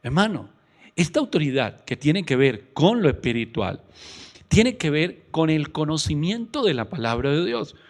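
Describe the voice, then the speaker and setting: Man, middle-aged, Colombian accent, pastor, radio sermon, rhetorical questions, slightly high voice. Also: very animated, normal speed. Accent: Colombian Spanish. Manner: preaching with rhetorical questions and acted-out quotes.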